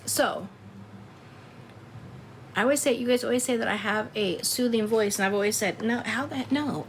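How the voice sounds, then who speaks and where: A woman in her fifties chatting casually with viewers on a livestream, loud and laughing often. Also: on the high side, slight background noise. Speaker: live streamer.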